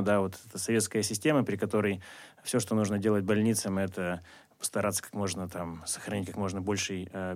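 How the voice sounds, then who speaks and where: A man interviewing a guest, speaking quickly and hesitantly with many fillers and restarts. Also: on the low side, darkish tone. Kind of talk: interview, asking probing questions.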